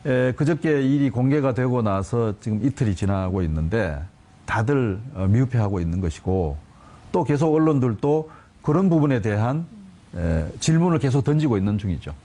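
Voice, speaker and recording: A man commenting on politics as an academic panelist, measured and emphatic, pausing on drawn-out fillers. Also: mid-range voice, lively intonation, dark tone.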